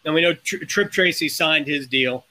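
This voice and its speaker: A man hosting a casual sports show, chatting with guests in a halting, hesitant way. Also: a little high, pushed and bright.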